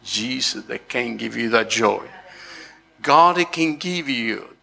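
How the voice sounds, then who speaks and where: A man's voice: mid-range voice, expressive, slow pace, creaky, pushed and bright. A man with an Italian accent preaching a jovial, laughing Christmas sermon as pastor, dropping frequent amens.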